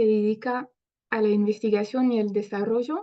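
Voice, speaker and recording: French accent from a woman with fairly even intonation. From France. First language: French (speaking Spanish). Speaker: study-abroad advisor. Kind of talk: presentation.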